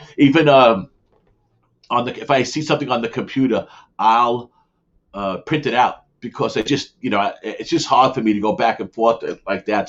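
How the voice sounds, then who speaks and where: Medium-pitched male voice with ordinary pitch variation at a moderate pace. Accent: New York. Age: 60s. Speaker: sports betting show host. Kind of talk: casual monologue. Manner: halting, many fillers.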